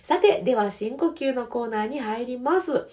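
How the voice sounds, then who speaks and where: Kansai lady chatting advice, soft and gentle, mellow voice that swings up and down a lot. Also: fairly high pitch, lively intonation, normal speed. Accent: Kansai Japanese. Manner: gentle, soft-spoken, laughs lightly between points. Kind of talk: casual advice talk.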